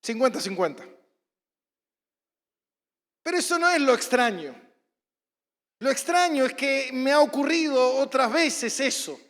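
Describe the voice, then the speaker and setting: High-voiced Argentine pastor in echoing hall. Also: male voice, animated, a little slow, pauses often. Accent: Rioplatense Spanish. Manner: storytelling, acts out scenes, bursts into shouts. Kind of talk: sermon. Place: church hall. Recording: church hall reverb.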